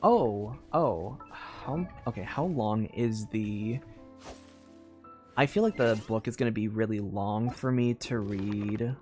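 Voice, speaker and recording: A young man streaming a story game, thinking out loud in a loose, rambling way with lots of filler words and restarts. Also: lowish voice, takes it slowly, soft background music. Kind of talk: casual live-stream commentary.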